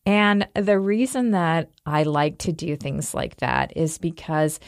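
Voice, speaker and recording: A woman's voice: low-pitched, slow pace, no echo, studio quality. A woman co-hosting a podcast, chatting casually and telling stories with frequent laughter. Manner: laughs often, storytelling. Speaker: podcast co-host. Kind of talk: casual chat.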